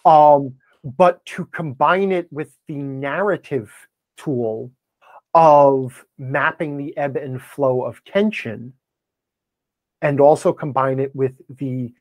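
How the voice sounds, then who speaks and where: A man's voice: fairly high pitch, no echo. A man speaking as a podcast guest in a conversational interview, wordy and opinionated as he explains things. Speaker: podcast guest, game blogger and author.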